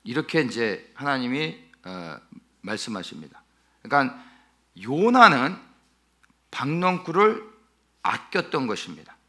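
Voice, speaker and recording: A male pastor preaching an expository sermon, emphatic and animated, often asking his listeners rhetorical questions. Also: mid-range voice, a little slow, pauses often.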